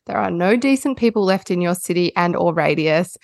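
A woman's voice: lowish voice, expressive, a little fast, vocal fry, darkish tone, dry recording. Frank woman podcast co-host, dry sound. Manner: frank, opinionated, wry. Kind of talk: casual chat.

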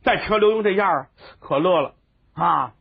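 An animated male storyteller tells a comic tale in a fairly high voice that swoops lively up and down. His tone is husky. The sound is tinny and phone-like. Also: normal speed. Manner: animated and voicing many characters.

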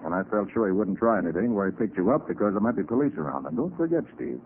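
An actor playing a confident, brisk master detective with assured authority in a 1940s radio crime drama. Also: male voice, fairly low pitch, lively intonation, narrow, tinny audio. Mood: assured, explaining. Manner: assured, explanatory, crisp authority. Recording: scratchy, thin 1940s radio recording.

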